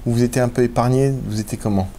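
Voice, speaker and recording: A man's voice: medium pitch, steady tone, very fast, warm tone, slight background noise. Man hosting a TV interview. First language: Slovenian. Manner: hesitant, many fillers in French. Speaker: TV host and interviewer. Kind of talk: scripted introduction then interview.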